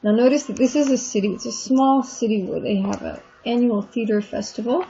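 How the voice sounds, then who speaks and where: A woman's voice: fairly high pitch, fairly quick, mellow, breathy edge, dull audio. A woman teaching an online French lesson, patiently explaining textbook exercises and repeating examples. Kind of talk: recorded lecture walking through textbook exercises.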